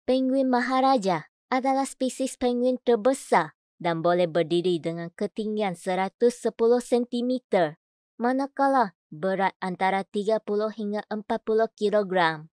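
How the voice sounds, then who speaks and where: A woman's voice: mid-range voice, moderate pace, darkish tone, dry recording. Woman reading scripted voice-over, dry sound. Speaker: voice-over artist. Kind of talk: scripted voice-over demo: adverts, narration, announcements.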